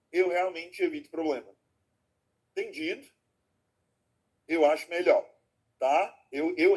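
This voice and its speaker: A man whose voice is a little high, a little mellow, and husky teaches online via video call. Step by step he explains the material, pausing often to check in, and he lovingly calls his students "my loves."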